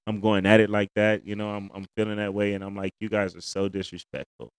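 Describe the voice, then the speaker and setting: A man's voice: fairly low pitch, little pitch movement, fast talker, clear, resonant tone. A man with an African American accent talking casually and emphatically on a podcast as a comedian guest, using plenty of slang.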